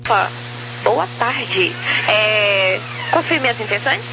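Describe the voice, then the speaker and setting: High-voiced Brazilian male ground controller on radio. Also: lively intonation, takes it slowly, gravelly. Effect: radio transmission. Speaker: ground air traffic controller. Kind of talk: aviation radio instructions. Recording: noisy humming aviation radio.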